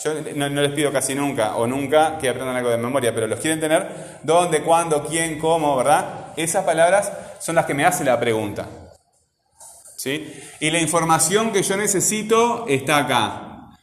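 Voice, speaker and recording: Guy teaching class, patient, keeps repeating stuff, boomy echoey classroom. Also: animated, moderate pace. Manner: patient, questioning, repeats key points. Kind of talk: classroom grammar lesson. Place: classroom with a voice-bouncing echo. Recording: echoey classroom with long reverb.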